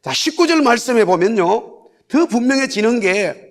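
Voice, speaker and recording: A male preacher in a church sanctuary speaks with an extremely high, expressive voice at a moderate pace. Key words get emphasis through repetition, and he leads the congregation in repeating his lines aloud.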